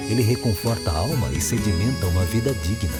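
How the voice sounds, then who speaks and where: A man reading a solemn, slow advertising voice-over. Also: on the low side, expressive. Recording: loud music bed.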